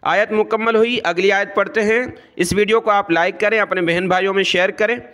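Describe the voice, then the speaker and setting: A man teaching Quran recitation letter by letter, drawing out each sound slowly and then explaining quickly, with a South Asian Urdu accent. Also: high-pitched, steady tone, fairly bright tone. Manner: slow drawn-out recitation, quick explanations between.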